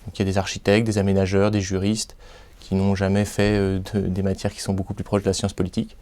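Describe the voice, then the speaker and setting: A man describing his urban studies program in an unhurried, explanatory way. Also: sits low, completely flat delivery, darkish tone. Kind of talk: testimonial interview.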